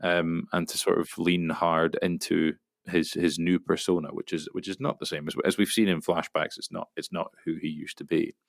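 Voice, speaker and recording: A man talking as an interviewed voice actor, casual and reflective, often pausing and restarting his thoughts. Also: low voice, level tone, gravelly, dry recording, clean studio sound.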